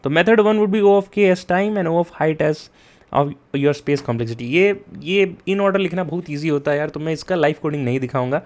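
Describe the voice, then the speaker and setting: Teaching coding in a casual, explanatory lesson, this chatty young man speaks at a measured pace in a voice on the high side with lively intonation. He blends Hindi and English, often saying "yaar" and "theek hai?", and talks straight to his students, telling them to take notes.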